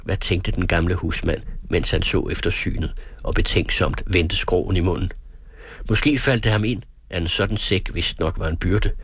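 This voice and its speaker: A man narrating a classic novel in a very low, husky voice. He reads in a measured, earnest way, close on the mic in a dry, dead room. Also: dry recording. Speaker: audiobook narrator. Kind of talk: literary audiobook narration.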